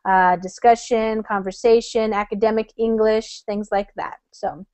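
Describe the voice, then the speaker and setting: A woman's voice: mid-range voice, steady tone, measured pace, a little mellow. A woman from the United States teaching an online English class over a video call, friendly and chatty with many fillers.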